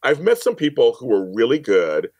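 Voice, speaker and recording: Animated man chatting in an interview. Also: mid-range voice, normal speed. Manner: animated, emphatic, repeats phrases, acts out quotes. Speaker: podcast guest, audio drama producer and director. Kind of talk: casual interview chat.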